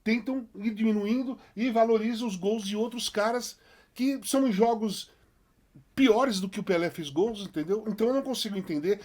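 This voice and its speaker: A man's voice: high-pitched, normal speed, a little mellow. A man hosting a podcast, talking animatedly and emphatically in casual chat. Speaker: podcast host.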